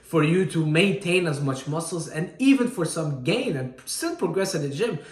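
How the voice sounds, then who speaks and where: A man from Syria giving casual fitness and diet advice straight to camera, energetic and often checking in with "all right?". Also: fairly high pitch, moderate pace, reverberant. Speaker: fitness coach.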